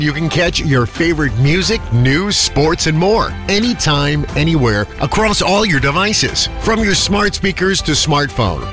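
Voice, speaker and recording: A man giving a smooth promotional radio commercial. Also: a little high. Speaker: ad announcer.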